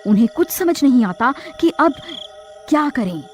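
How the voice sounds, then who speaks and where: Female narrator for cartoon horror; steady, dramatic, slightly high, over music. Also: moderate pace. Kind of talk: scripted storytelling narration.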